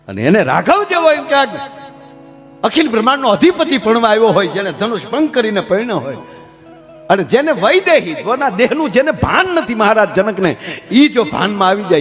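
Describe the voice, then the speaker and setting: A man telling folk comedy stories on stage, swinging from hushed asides to loud declaiming. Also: high voice. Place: stage at a religious gathering.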